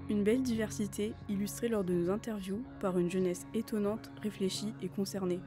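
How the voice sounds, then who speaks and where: A teenage girl reading a scripted documentary narration in a bright, engaged way. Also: mid-range voice, steady tone, a little fast. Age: teens. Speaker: student narrator. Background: background music.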